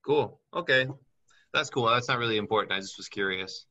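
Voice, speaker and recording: A man's voice: on the low side, fairly quick, sharp tone, dull audio. A man working as a business consultant, talking in a chatty way and thinking aloud as he reads up on things during a call. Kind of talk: casual advice call.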